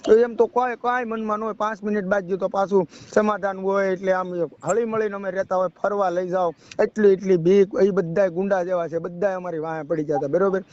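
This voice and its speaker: A young rural Saurashtra Gujarati speaker from India talks fairly quickly, with hardly any pauses, in a high-pitched, steady, darkish voice. On a dull lo-fi phone call seeking advice, he rambles through his personal account and keeps adding tag questions to make sure he's understood.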